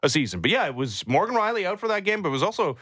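A man's voice: high voice, big pitch swings, very fast, a bit bright, no echo. A man hosting sports talk radio, emphatic and opinionated, close on a studio mic. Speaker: sports radio morning show host. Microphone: close studio microphone.

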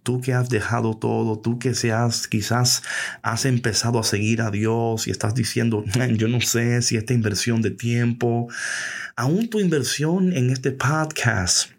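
Husky man hosting a devotional podcast. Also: mid-range voice, measured pace. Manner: mixes English phrases into Spanish, playful and lively. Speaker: podcast host. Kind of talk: casual devotional talk.

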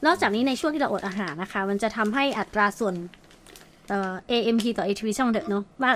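A woman's voice: medium pitch, quick pace, fairly bright tone, a little hiss or hum. A woman co-hosting a chat podcast as a doctor, explaining how the body works in a loose, casual way, skipping past jargon with a laugh.

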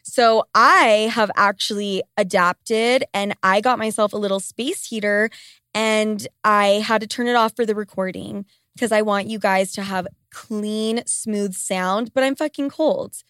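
A woman's voice: mid-range voice, fairly even intonation, unhurried, fairly bright tone, smooth, no echo, clean studio sound. A woman in her late twenties with a congested, stuffy-nosed voice, talking casually and candidly as a solo host, swearing and grumbling comically. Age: late 20s. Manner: profane, comically complaining. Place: small basement home studio. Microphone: close studio microphone.

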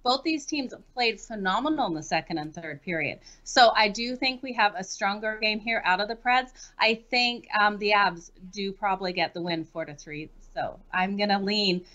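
A woman from Canada, a guest picking hockey bets, talking in a quick, upbeat and confident way over a remote line. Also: medium pitch, bright, forceful tone, muffled recording. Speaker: sports betting guest. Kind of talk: casual interview.

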